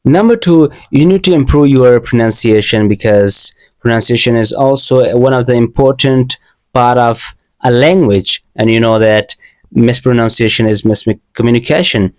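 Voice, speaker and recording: A man's voice: mid-range voice, moderate pace, a little mellow, no echo. Earnest young Asian man teaching English. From Asia. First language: an Asian language. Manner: earnest, repeats and restarts phrases, learner English. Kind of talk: casual video lesson.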